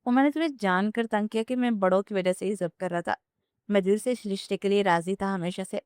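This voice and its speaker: A mischievous young husband who teases and jokes through every line, as a woman reads him. The voice is smooth and clear, with a dry, close sound and no room around it. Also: medium pitch, a little mellow, no room sound, close to an everyday voice. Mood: apologetic. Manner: joking, teasing delivery.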